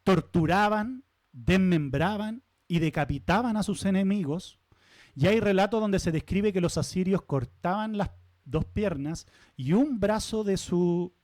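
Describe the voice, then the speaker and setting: A man's voice: sits high, a little mellow, no echo. A man preaching a sermon as pastor, talking conversationally, putting questions to the congregation and dropping light humorous asides. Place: church sanctuary.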